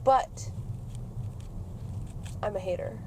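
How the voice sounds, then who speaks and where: A woman's voice: very slow, warm tone, low-quality recording. A young woman hosting a casual podcast in a moving car, chatting in a playful, informal manner. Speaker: podcast host. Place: inside a moving car at night. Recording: clear car and road noise. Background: car and road noise.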